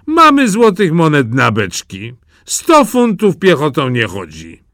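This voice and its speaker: Rich foreign gamblers scoff in a storybook scene, as a male narrator puts them on. The voice is raised and slow, heard close and dry. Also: on the high side, huge pitch swings, a bit bright, dry recording, pitched above the performer's own voice, full character voice. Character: rich, wagering foreign men.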